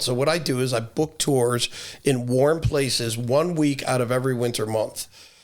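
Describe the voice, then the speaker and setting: This man talks at a moderate pace and a medium pitch, his intonation fairly even. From Rochester, New York, US. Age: 60s. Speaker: music writer and tour promoter. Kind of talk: casual interview chat. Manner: halting, many repetitions.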